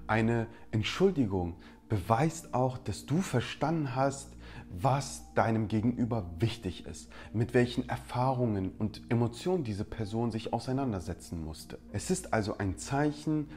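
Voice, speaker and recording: A man's voice: medium pitch, darkish tone. A man presenting rhetoric tips in an instructional talk, speaking directly to his viewers and acting out example apologies.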